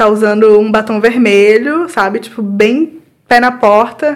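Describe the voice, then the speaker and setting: A woman with a normal speaking voice talks fairly slowly at a fairly high pitch. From Brazil. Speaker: design studio owner and entrepreneur. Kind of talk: podcast interview. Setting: studio.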